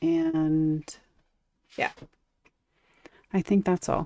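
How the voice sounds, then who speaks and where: A woman's dark, mellow tone with fairly even intonation, in a dry, close sound with no echo. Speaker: crafting livestreamer. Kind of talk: casual livestream chat.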